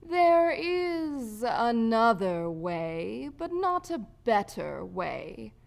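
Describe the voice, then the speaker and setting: Woman doing a slow, drawling sardonic rat. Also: on the high side, very animated, vocal fry, full character voice. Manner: drawling, dry, smug. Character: sardonic, smirking male talking rat in children's audiobook.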